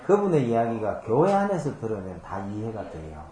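A male pastor with a lowish, mellow voice and huge pitch swings preaches a conversational sermon at a moderate pace in an echoey room. He patiently explains scripture using homely examples and rhetorical questions.

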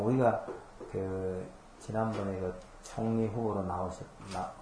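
A man's voice: lowish voice, darkish tone, echoey room, a little hiss or hum. A man preaching a conversational sermon, explaining scripture patiently with homely examples and rhetorical questions. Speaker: pastor. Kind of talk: conversational Bible-teaching sermon.

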